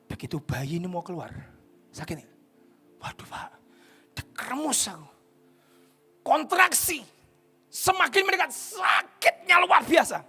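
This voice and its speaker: A male pastor giving an impassioned sermon, swinging between shouted peaks and hushed, whispered lines. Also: very high voice, sing-song, a little slow, long pauses, husky, soft background music.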